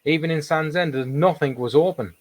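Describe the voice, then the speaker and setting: Slightly hoarse man telling stories. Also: on the high side, normal speed, darkish tone, slight background noise. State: slightly hoarse, losing his voice. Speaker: paranormal investigator, interview guest. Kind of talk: casual interview chat, telling anecdotes.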